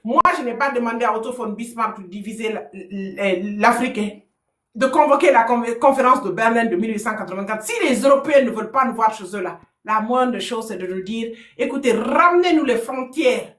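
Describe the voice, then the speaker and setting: Heated woman, high voice. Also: fairly quick, a bit bright. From Guinea (Fouta). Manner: combative, sarcastic, repeats points. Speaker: livestreamer, political commentator. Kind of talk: heated live commentary. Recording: roomy echo.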